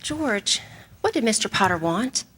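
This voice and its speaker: A woman's voice: medium pitch, sing-song, a little slow, fairly bright tone, a little hiss or hum. A woman playing a supportive, self-sacrificing young wife in a staged 1940s-style radio drama. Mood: concerned.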